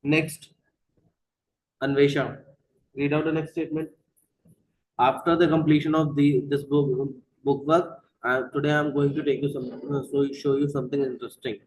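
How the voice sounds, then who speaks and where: A man with a South Asian accent teaches an interactive online lesson, prompting pupils with short questions and moving between English and Hindi. His voice sits a little high with a level tone and normal speed. The audio is poor, with slight background noise.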